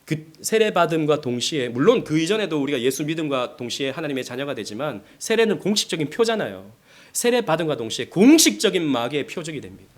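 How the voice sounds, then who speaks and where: A man's voice: a little high, sing-song, fast. A male pastor preaching a sermon, acting out the lines of quoted voices as he goes. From South Korea.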